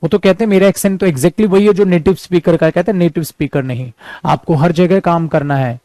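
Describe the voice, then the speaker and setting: A male English teacher with an Indian accent runs a class, repeating words and speaking English sentences very slowly. His voice sits a little high but sounds soft and dark in tone. The recording is dry, with no room echo. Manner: addresses students as dear and son, repeats words for drill; slows to a careful crawl for English example sentences. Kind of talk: online spoken-English class.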